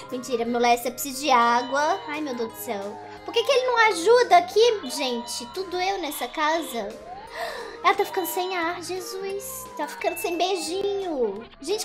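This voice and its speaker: A young woman giving chatty, giggly commentary while playing a browser game. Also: sits high. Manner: chatty, giggly, exclaiming, teasing. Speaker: gaming YouTuber. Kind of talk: casual gameplay commentary. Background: game music.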